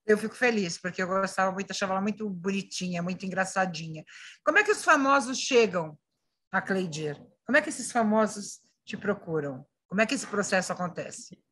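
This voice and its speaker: A woman's voice: mid-range voice, animated, brisk, a bit bright. A Brazilian woman hosting an interview, asking questions in a conversational style. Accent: Brazilian Portuguese. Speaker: interview host.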